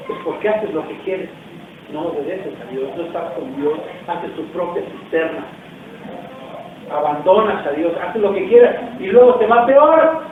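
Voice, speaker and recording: Pastor guy preaching, high voice, far off in a super echoey church, tinny sound. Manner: conversational preaching, rhetorical questions to the congregation. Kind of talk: sermon. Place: church hall. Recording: distant, echoey, tinny, faint noise.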